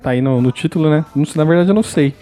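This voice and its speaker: A man's voice: fairly high pitch, rapid-fire, mellow, faint music behind. A man with a Brazilian accent hosting a casual podcast chat, joking and laughing often. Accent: Brazilian Portuguese. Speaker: podcast host.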